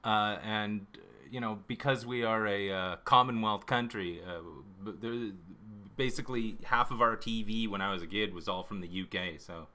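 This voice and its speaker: Speaking at a normal speed in a lowish, sharp voice, a fifty-year-old Canadian man hosts a livestream and talks casually with viewers. His talk wanders, he interrupts himself often, and the swearing never lets up.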